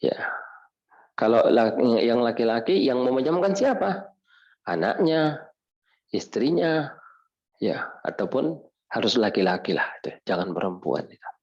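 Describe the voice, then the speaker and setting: A man's voice: mid-range voice, measured pace, pauses often, dull audio. A man preaching a mosque study lecture, reciting Arabic prayers and explaining them, often asking the audience questions. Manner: animated, asks the audience questions and answers them. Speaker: preacher teaching Islamic jurisprudence.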